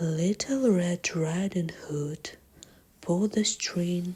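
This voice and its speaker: Someone whispers in a soft-spoken, gentle tone. The pace is very slow. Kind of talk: ASMR fairy tale bedtime reading. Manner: soft-spoken, whispered, gentle.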